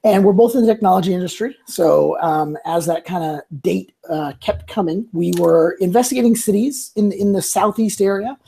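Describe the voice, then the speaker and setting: Male guest, gravelly and husky, relaxed, easy storytelling. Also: sits high, moderate pace, few pauses. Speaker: guest, lead organizer. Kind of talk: casual panel chat.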